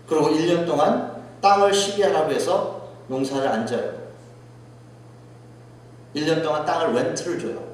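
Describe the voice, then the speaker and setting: A man's voice: sits high, heavy reverb, recorded from a distance. A man preaching a sermon as pastor, dramatic, acting out quoted speech in a raised voice. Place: church sanctuary.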